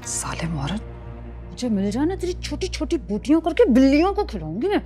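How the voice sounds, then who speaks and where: A woman's voice: high voice, big pitch swings, brisk, music in the background. An actress with a Pakistani Urdu accent playing a young woman in a wild, threatening fit of jealousy in a TV drama. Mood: vicious. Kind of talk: TV drama acting.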